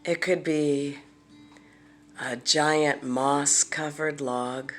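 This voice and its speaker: Woman, lowish voice, very slow delivery, guided visualization, gentle, deliberate, long pauses. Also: steady tone, faint music behind. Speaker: guided meditation leader. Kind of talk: guided visualization, soothing meditation narration.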